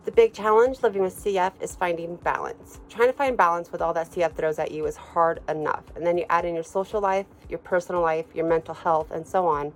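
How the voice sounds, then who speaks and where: Steady thoughtful man in his thirties. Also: a little high, brisk, few pauses, a little hiss or hum. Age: 30s. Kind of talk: testimonial interview.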